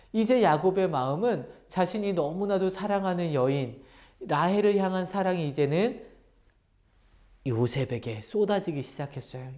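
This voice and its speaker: A woman pastor telling a Bible story to children in an animated way, asking them questions as she goes. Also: low voice. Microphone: lapel mic.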